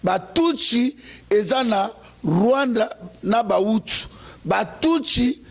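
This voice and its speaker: A raspy-voiced Congolese man delivering an impassioned political speech. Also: high-pitched, animated, takes it slowly. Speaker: political commentator.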